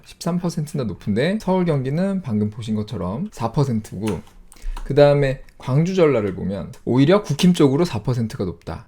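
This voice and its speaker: A man talks his viewers through a chart on his own channel and thinks aloud as he scrolls. His voice is gravelly and his pitch rises and falls a lot. He reels off items in quick, clipped phrases. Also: mellow. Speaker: YouTube host. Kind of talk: casual screen-share data walkthrough.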